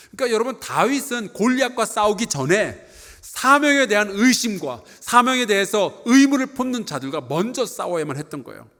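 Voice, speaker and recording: A man's voice: high-pitched, a bit bright, long reverb tail. A middle-aged male pastor preaching a sermon in a church, earnest, with rhetorical questions and repeated phrases. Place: church sanctuary.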